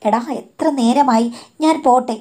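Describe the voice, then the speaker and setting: A woman's voice: a little high, a little slow, mellow, natural voice. A woman voicing a scheming older mother-in-law who chides and coaxes in a falsely sweet tone. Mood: scolding. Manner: coaxing and chiding, calls everyone dear.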